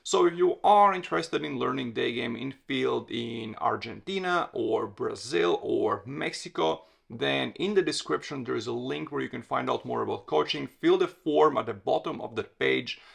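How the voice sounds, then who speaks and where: A man's voice: mid-range voice, gravelly, fairly bright tone, slightly rough. A man from Latvia, hosting a solo podcast in a direct, conversational way and often correcting himself mid-sentence. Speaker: podcast host and dating coach.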